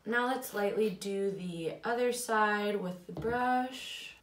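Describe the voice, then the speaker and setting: A woman in her twenties reviewing makeup in a casual, chatty way at home, her voice slightly raspy from the morning. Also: mid-range voice, takes it slowly, reverberant, recorded from a distance. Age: 20s. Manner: chatty, filler-heavy, self-deprecating. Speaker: beauty vlogger.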